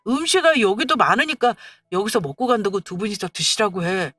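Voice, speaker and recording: A woman's voice: medium pitch, sing-song, brisk, pushed and bright, dry recording, soft background music. A woman doing a petulant young husband. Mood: patronizing. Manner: exasperated, whining, scolding.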